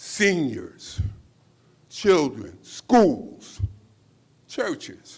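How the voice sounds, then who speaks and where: The pitch swings very widely. Vocal fry runs through the voice. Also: man. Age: 70s. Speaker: resident speaking at public comment, veteran. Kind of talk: public comment at council meeting. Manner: animated.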